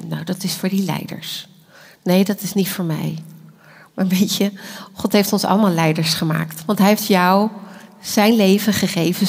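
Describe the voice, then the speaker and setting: A woman giving an earnest, animated sermon, dropping now and then into quiet whispered asides. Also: mid-range voice. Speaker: preacher. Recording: echoey hall.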